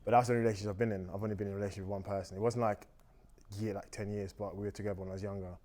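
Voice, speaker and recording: His delivery is flat and rapid-fire, his pitch fairly low and a little mellow. He's a young Austrian native German speaker appearing as a dating show guest, making casual, reflective, rambling talk on a date.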